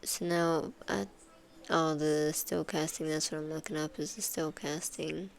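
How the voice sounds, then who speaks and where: A woman's voice: deep voice, steady tone, measured pace, creaky. A woman, congested from sinus trouble, giving rambling, casual gameplay voice-over commentary full of fillers. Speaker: gaming video host.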